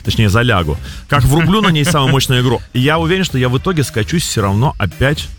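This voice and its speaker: A man's voice: medium pitch, sing-song, fast talker, fairly bright tone, soft background music. A man, co-hosting a casual morning radio show with jokey, self-deprecating banter. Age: 40s. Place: radio studio. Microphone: studio radio microphone.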